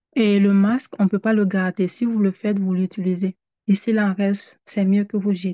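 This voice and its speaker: A woman with a dark, mellow tone and medium pitch speaks in a monotone, flat intonation at a moderate pace and very even loudness, the sound dry and close with no echo over a quiet background. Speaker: skincare instructor. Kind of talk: tutorial. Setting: recorded on computer.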